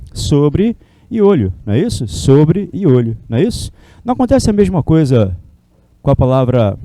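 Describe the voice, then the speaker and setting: A man's voice: medium pitch, dark tone, no room sound. A Brazilian man teaching a classroom lecture in a chatty way, forever tossing tag questions at his students. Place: classroom with a whiteboard.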